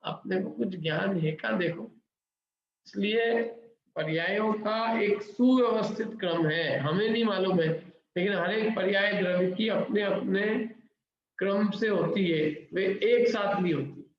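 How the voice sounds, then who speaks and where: Middle aged man w/ teaching a scripture class, quizzes the room, pretty high voice, dull muffled sound. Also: unhurried. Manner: explains step by step, asks the class questions. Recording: very echoey, dull lo-fi room recording.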